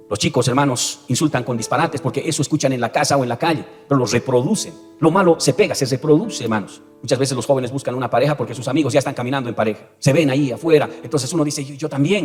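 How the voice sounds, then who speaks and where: A pastor preaching a sermon, often turning to the congregation with rhetorical questions. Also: male voice, medium pitch, long reverb tail. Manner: preaching with frequent direct address and rhetorical questions.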